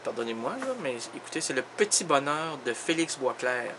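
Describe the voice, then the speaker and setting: A man's voice: mid-range voice, expressive, moderate pace, fairly bright tone, a little hiss or hum. A man playing a mock-formal interviewer in a comedy sketch, questioning with growing exasperation.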